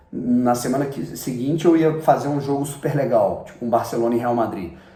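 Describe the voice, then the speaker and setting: Over noticeable background noise and audible room echo, a man talks fairly quickly at a fairly high pitch with ordinary pitch variation. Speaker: football YouTuber, former sports journalist. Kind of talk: casual vlog commentary. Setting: home recording late at night. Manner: informal, hesitant with fillers.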